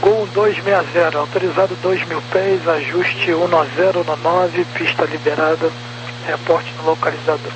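High-voiced male controller on crackly radio. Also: fairly even intonation, moderate pace. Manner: clipped procedural instructions. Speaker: air traffic controller. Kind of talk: aviation radio communication. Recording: noisy humming control radio.

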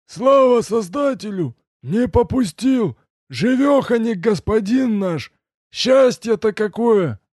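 A man doing a high, overjoyed loyal servant. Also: animated, dry recording, studio quality. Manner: loud, exclamatory, drawn-out cries. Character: red-haired male servant, loyal, overjoyed, excitable.

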